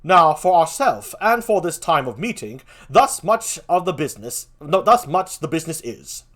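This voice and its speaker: A man's voice: on the high side, sing-song, normal speed, fairly bright tone. A man voicing a commanding, genial king in a declamatory theatrical reading of Shakespeare. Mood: regal, commanding.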